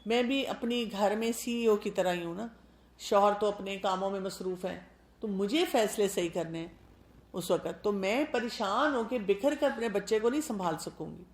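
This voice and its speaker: Calm woman doctor advising parents, echoey room. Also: medium pitch. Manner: calm, explanatory, asks rhetorical questions. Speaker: doctor giving parenting advice. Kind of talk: parenting talk to mothers.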